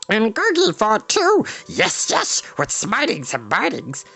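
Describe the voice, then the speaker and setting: A shaggy little forest creature, husky and breathy, drawling his words very slowly and swooping wildly up and down. He chants in rhymes and says things twice. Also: mid-range voice, wildly swooping pitch, bright, forceful tone, soft background music, voice pushed up, heavily acted. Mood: eager. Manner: singsong rhyming, repeats yes yes. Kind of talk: audiobook character voice.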